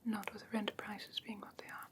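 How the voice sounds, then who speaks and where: A woman playing a doting, slightly haughty fae creature in a soft, breathy ASMR whisper, gentle and genteel with coaxing endearments. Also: mid-range voice, completely flat delivery, normal speed, natural voice. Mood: gentle, pleased. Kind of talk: whispered ASMR fantasy roleplay.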